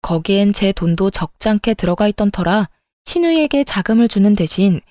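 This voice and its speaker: Female narrator for a first-person story; mellow, dry, confiding. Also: medium pitch, expressive, brisk, no echo.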